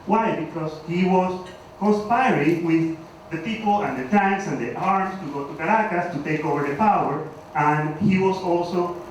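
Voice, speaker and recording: A man's voice: high voice, normal speed. A man from Venezuela with a Venezuelan Spanish accent, giving an academic conference talk in a hesitant, self-deprecating way with many fillers and restarts. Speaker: conference speaker. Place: university conference hall. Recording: echoey hall, far from the mic, faint hiss.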